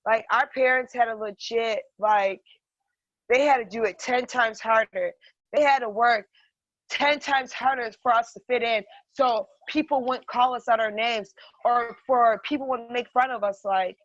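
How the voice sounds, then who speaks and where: A woman in her thirties, a podcast guest telling personal stories in a profane, animated, emphatic way. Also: fairly high pitch, dry recording, highs cut off. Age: 30s. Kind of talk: casual chat, personal storytelling.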